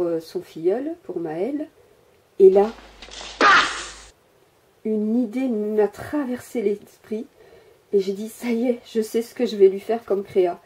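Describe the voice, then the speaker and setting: A crafter shows her miniature workshop at home in a rambling, casual show-and-tell, often hesitating and mocking herself. Her mid-range voice is very dark and mellow, with a husky, breathy edge, recorded through the built-in mic of the camera she holds.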